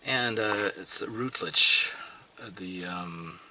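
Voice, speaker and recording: Slow, hesitant Swedish-native man. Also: sits low, bright, forceful tone, slight background noise, low-quality recording. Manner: hesitant, many fillers and restarts. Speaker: language learner vlogger. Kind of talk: casual talk to camera.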